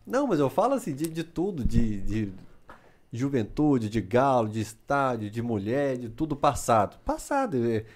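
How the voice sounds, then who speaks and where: A man hosting a casual chat, lively and jokey as he teases a friend. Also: mid-range voice, normal speed.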